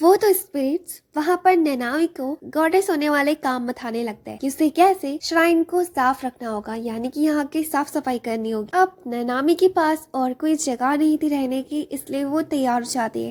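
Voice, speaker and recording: Recorded with a dry, close sound and no echo, a woman speaks at a high pitch with ordinary pitch variation and hardly any pauses. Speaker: anime recap narrator. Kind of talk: story recap narration.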